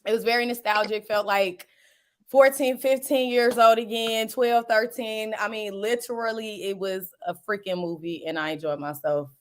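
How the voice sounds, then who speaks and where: An American woman in her thirties with a slightly hoarse voice, telling stories in an animated, slangy way as a talk show co-host. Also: mid-range voice, normal speed, slight background noise. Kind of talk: lively casual chat.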